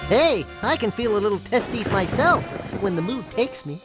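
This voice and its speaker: A cartoonish character voice, fairly high in pitch, at a moderate pace over clear music in the background. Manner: wisecracking, playful.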